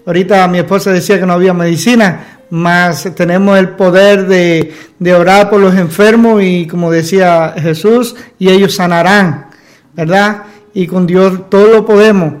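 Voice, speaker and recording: Cuban pastor guy talking in an interview, high voice, stops and starts a lot. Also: steady tone. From Cuba. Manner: halting, pausing mid-sentence. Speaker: pastor and missionary guest. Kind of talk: testimony in an interview.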